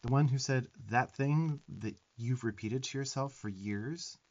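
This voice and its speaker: A man's voice: medium pitch, measured pace, highs cut off, close to an everyday voice. A man playing a sarcastic young gay demon twink in an ASMR affirmation roleplay, bossy but affectionate, with an emphatic, sweary tough-love delivery. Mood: scornful, protective.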